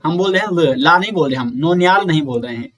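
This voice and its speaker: A man giving an exam-prep lecture, explaining slowly, repeating sounds and counting aloud. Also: on the high side, expressive, a bit bright. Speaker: teacher.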